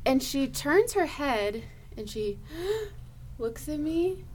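A woman ER nurse telling a work story in a casual, lively way, laughing often and saying "like" a lot. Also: high voice, slow, slight background noise. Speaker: ER nurse guest.

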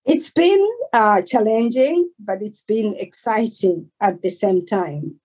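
A Malawian woman in her forties, a doctor answering interview questions in a measured, earnest way. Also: mid-range voice, lively intonation, a little mellow, breathy edge. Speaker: guest, consultant doctor.

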